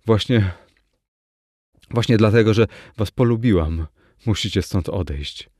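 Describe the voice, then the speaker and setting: A man voicing an earnest, secretive young village girl in a storybook reading, speaking softly. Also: on the low side, measured pace, dry recording, clean studio sound. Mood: tender pleading.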